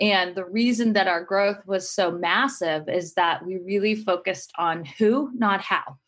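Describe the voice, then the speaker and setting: A woman with an American accent and a plain, everyday voice, at a medium pitch and a fairly slow pace, with ordinary pitch variation and hardly any pauses. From Oregon, US. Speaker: real estate team leader and coach. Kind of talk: interview.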